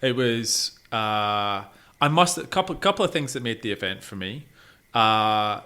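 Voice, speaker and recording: A man's voice: lowish voice, lively intonation, a little slow, pushed and bright. A man co-hosting a podcast, chatting casually about gigs he has been to. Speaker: podcast co-host.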